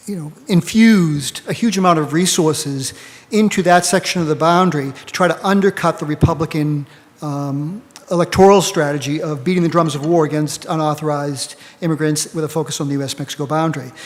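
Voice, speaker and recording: A man with a Boston accent speaks on a panel in a lecturing way, tagging his points with a quick "right?". His voice sits a bit high for a man, and it rings with a long reverb from a large hall. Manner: lecturing, frequent "right?" checks. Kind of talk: academic panel talk.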